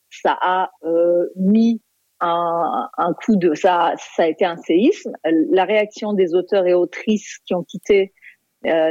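Woman guest from Iran, hesitant radio interviewee, low voice, dull dry lo-fi sound. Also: a little mellow, no room sound. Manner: hesitant, many fillers and restarts. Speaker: film director, interview guest. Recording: dull lo-fi line.

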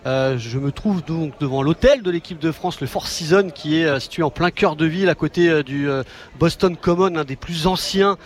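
A man's voice: fairly high pitch, moderate pace. A man reporting live for the news from outdoors on a city street, talking with many fillers and restarts. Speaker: field reporter.

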